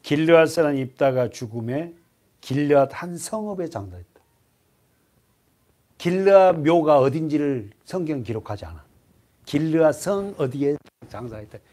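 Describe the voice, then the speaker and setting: Lively male pastor quizzing his congregation. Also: normal speed. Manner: drops to a hushed low voice for grim points. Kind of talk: expository sermon. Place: church sanctuary.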